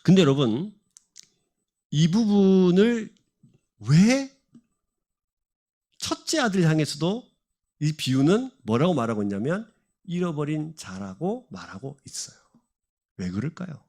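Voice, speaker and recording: A man's voice: a little high, sing-song, unhurried, long pauses, dark tone. A middle-aged man preaching a sermon to a congregation, asking them questions and answering them himself. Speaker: pastor. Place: church sanctuary.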